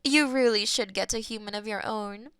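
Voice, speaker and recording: A woman voicing a possessive, teasing female demon mistress who is smug and powerful, dropping at times to soft whispers. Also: on the high side, smooth, no room sound, studio quality, lightly acted. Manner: teasing, slow and purring, drops to soft whispers. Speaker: voice actor in an audio roleplay. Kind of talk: audio roleplay acting.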